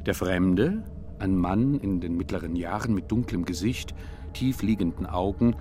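A man narrating a written story in a measured, descriptive way. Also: low-pitched, dark tone.

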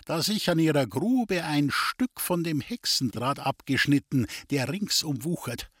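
A man's voice: a little high, animated, measured pace, fairly bright tone, slightly rough, no room sound, studio quality, voice pushed up, heavily acted. A man voicing a sly, scheming male vagabond trickster in an audiobook, coaxing and insistent in dialect. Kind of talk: audiobook character reading.

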